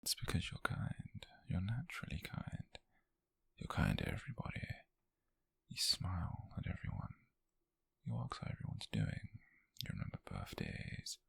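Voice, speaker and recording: A British man playing an obsessive, possessive coworker turned tender captor in an ASMR roleplay, speaking in a breathy, gravelly, coaxing hush. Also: low voice, huge pitch swings, no echo, exaggerated voice. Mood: yearning, obsessive. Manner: slow, coaxing, hushed, intimate with pauses. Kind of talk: whispered ASMR roleplay monologue.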